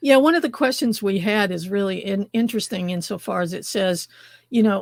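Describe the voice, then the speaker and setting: A woman's normal speaking voice, medium in pitch, at a fairly quick pace. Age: 60s. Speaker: webinar moderator. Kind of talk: webinar Q&A.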